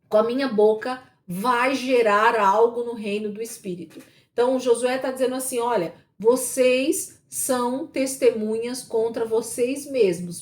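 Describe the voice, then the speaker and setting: A woman's voice: a little high, a little mellow. A woman teaching a Bible class, explaining patiently and often checking in with her listeners. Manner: explanatory, checks in with frequent tag questions.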